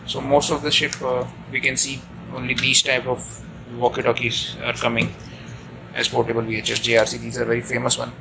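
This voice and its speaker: A man talks through a hands-on demonstration in a creaky, fairly monotone voice. He goes haltingly, often restating his phrases. The amateur phone recording has clear room noise behind him. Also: mid-range voice. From India. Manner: halting, repeats and rephrases himself. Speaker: ship officer giving an equipment tutorial. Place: indoors at a chart table aboard ship. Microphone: handheld phone camera mic. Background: steady room noise.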